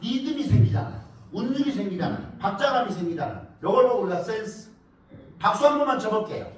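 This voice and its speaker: A high-pitched man teaches a live audience in a lecture hall, his pitch leaping all over the place at a quick, expressive pace. He teases his listeners and chants words in a sing-song rhythm. The sound is boomy and echoey, with the mic at a distance.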